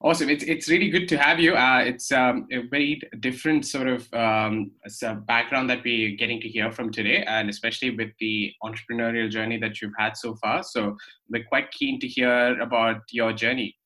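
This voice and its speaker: A man's voice: medium pitch, fairly even intonation, moderate pace, pushed and bright, poor audio. A young man from Australia hosting a podcast interview, friendly and a bit hesitant, with fillers and restarts. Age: young adult. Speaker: podcast host. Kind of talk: conversational interview.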